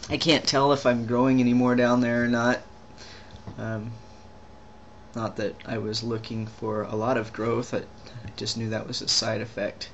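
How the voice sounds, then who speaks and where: A young trans man rambles through a personal video diary, stopping and restarting his sentences often. His pitch stays level and even, with little rise or fall. A faint steady hiss sits under the camera-mic recording. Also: muffled recording. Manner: rambling, halting, many restarts and fillers. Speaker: vlogger.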